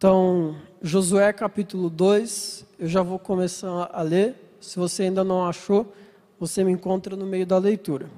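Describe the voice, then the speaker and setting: At a fairly slow pace, a man talks in a high pitch with monotone, flat intonation. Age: 20s. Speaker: preacher. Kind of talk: sermon.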